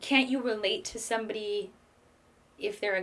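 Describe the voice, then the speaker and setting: A woman with a slight Canadian accent at a fairly quick pace. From Canada, Calgary. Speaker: songwriter and talk show host. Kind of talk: casual chat. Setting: studio. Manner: animated.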